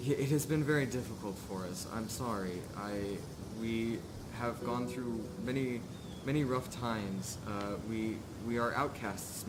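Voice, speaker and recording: A man's voice: fairly low pitch, background noise, natural voice. A man voicing an anxious, pleading outcast villager in a tabletop game, speaking formally with stammers and repeated words. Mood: earnest, sorrowful.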